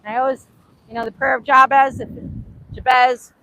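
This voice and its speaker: A high, bright-voiced woman with a Hungarian accent talks earnestly to the camera outdoors by the beach. She is a native Hungarian speaker who overpronounces her words and circles back to repeat her points, with a brisk, crisp edge to her tone. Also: little pitch movement, highs cut off. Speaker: author and host. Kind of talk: motivational faith talk to camera.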